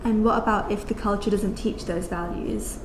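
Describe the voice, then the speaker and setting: A woman's voice: mid-range voice, fairly even intonation, normal speed. Lady running the q&a, asking and rephrasing questions, echoey room, noisy. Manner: questioning, clarifying. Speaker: moderator. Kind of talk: moderating a Q&A. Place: lecture room with audience. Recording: echoey room with background noise.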